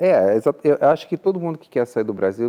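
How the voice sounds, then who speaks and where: Recorded with a dry, close sound with no echo, a man speaks at a fairly quick pace. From Brazil, Rio de Janeiro. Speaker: immigration lawyer. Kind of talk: podcast interview. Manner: halting, many repetitions.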